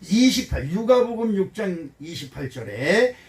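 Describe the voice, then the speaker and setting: A man in his seventies, a pastor giving a folksy, animated sermon and asking his congregation questions. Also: high-pitched, a little slow. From Korea. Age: 70s. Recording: voice heard from some distance.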